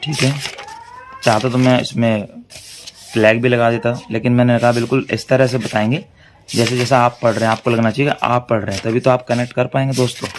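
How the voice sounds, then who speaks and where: A man's voice: mid-range voice, little pitch movement, a little fast. Guy tutor chatting thru exam tips, reassuring, keeps saying okay, noisy recording w/ pages shuffling. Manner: chatty, reassuring, repeats "theek hai" while flipping pages. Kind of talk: casual exam-tips lesson.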